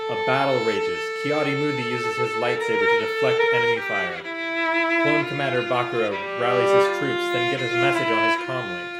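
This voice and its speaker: Guy reading script and running a music rehearsal, roomy sound, violins loud behind him. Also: medium pitch. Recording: echoey room, loud live string music. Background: loud violin and string music.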